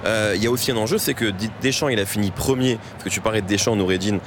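A man's voice: lowish voice, fast, noisy background. A man hosting a casual chat during a live match, teasing and joking with his guests. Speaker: host.

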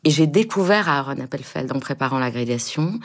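Casting: female translator guest, very low voice, earnest and pausing often. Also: expressive. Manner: thoughtful, earnest, with frequent pauses. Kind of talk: reflective interview answers.

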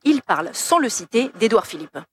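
A woman political reporter narrating a news piece in a measured way. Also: on the high side, big pitch swings, a little hiss or hum.

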